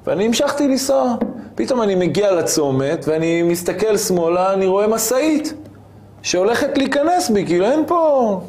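A man with a somewhat high voice, telling a personal story as an interview guest. He is animated and acts out the moments he recounts.

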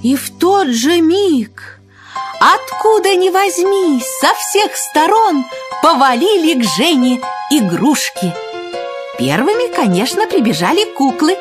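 A woman reads a children's fairy tale in a high voice with wide, swooping intonation. Her storytelling is expressive and dramatic, and music plays behind her. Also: unhurried. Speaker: narrator.

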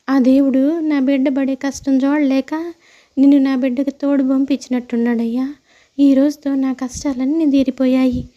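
A woman voicing a kindly, grateful elderly mother-in-law who speaks in an emotional, motherly way in an animated moral story. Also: high-pitched, highs cut off, close to an everyday voice. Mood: relieved, grateful. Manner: emotional, motherly, addressing others fondly.

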